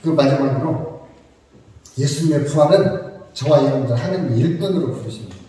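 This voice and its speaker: Preaching in a medium-pitched, dark, expressive voice at a slightly fast pace, a pastor chats with his congregation through jokes and rhetorical questions. The church hall sounds echoey, picked up from far away.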